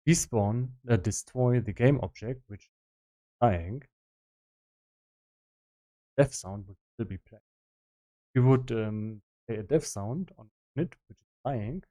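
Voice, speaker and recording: Slow-talking, mellow man thinking aloud. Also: mid-range voice. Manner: halting, thinking aloud in fragments. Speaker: game developer streaming. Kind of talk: casual live-stream work commentary, explaining.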